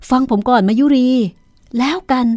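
A woman's voice: mid-range voice, fairly quick, a little mellow, no room sound, studio quality, close to an everyday voice. A woman reading an audiobook, voicing a harried, defensive young man in a horror story. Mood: pleading. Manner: flustered, exasperated pleading.

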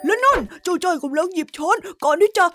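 A woman's voice: very high voice, animated, quick pace, background noise. A woman voicing a cheeky young male cartoon character who teases his friend with sing-song repetitions. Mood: teasing. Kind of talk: children's cartoon voice acting. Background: music.

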